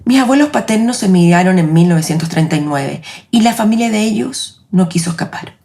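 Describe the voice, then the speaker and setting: A woman in her late forties with a Chilean accent, hosting her own podcast in a reflective, measured, personal narration. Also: lowish voice, expressive, vocal fry, dark tone, slight background noise. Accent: Chilean Spanish. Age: 40s. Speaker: podcast host.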